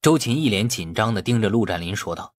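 A man's voice: fairly low pitch, lively intonation, quick pace, dry recording, clean studio sound. A man narrating a novel as a scripted audiobook.

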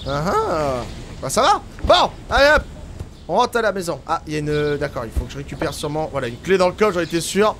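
Excitable high-voiced man gaming. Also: fairly quick, slight background noise. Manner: excitable, chatty, laughs often. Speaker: gaming youtuber. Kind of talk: lively let's play commentary. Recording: game music playing behind.

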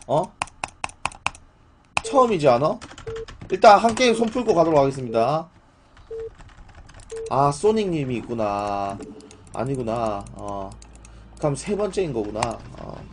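A man's voice: mid-range voice, very animated, a little slow, pauses often, slight background noise. A man with a strained throat hosting a gaming live stream, chatting informally and often putting questions to his viewers. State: strained throat, voice in poor condition. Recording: music playing behind the voice. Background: music, keyboard typing.

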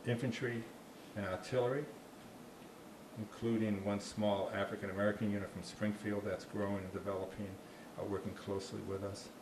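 A man's voice: lowish voice, level tone, brisk. A man with a Boston accent, a park ranger giving an informal talk into a handheld mic in a small room, chatty with frequent restarts and dry jokes. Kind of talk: informal talk with audience questions. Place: small dark meeting room with slide screen. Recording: echoey room with faint noise.

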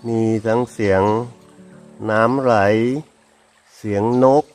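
A man's voice: on the low side, slow pace, soft background music. A man hosting a travel vlog, chatting casually outdoors at a cave entrance and asking a local guide questions. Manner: relaxed, asks the guide questions. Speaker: travel vlogger host. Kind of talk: casual on-site tour chat. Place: outdoors at a cave mouth by a stream.

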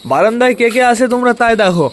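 A man with a high voice runs through his pigeon loft at a quick clip. He chats casually to viewers and calls to his birds by name, coaxing them to move. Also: lively intonation, slight background noise. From West Bengal, India. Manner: chatty, talks to birds and viewers. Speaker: pigeon-keeping vlogger. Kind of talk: casual vlog narration.

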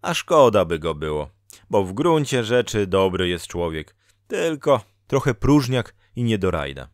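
A man's voice: lowish voice, sing-song, unhurried, no echo, studio quality. A man voicing Dola, a female spirit of fate who scolds a lazy farmer in a storybook reading, with lecturing, reproachful delivery. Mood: chatty.

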